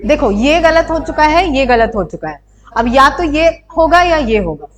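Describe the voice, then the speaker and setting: Young woman, high voice, a teacher working through quiz questions with students. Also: animated, a little slow, dull audio. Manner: explanatory, asks students rhetorical questions. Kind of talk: exam-prep lecture.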